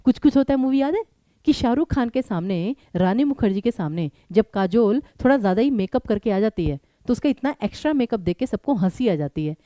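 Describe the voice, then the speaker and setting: A young woman teaching a live online exam-prep class. She talks briskly and keeps urging her students to answer quickly, mixing English words into her Hindi. Her voice is mellow and the sound is close and dry. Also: on the high side, lively intonation, dry recording.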